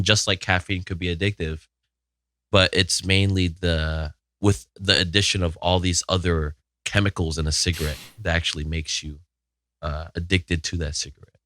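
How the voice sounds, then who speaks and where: A man co-hosting a podcast who explains things in a lecturing tone that trails off quietly at the ends of phrases. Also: deep voice, steady tone, normal speed, no echo. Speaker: podcast co-host. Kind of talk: casual podcast chat.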